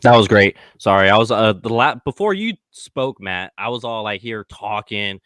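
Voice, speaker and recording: A man hosting a podcast from an upstairs room on a laptop, chatty and relaxed as he hands the floor to others. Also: on the low side, moderate pace, smooth, no room sound, clean studio sound. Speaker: podcast host.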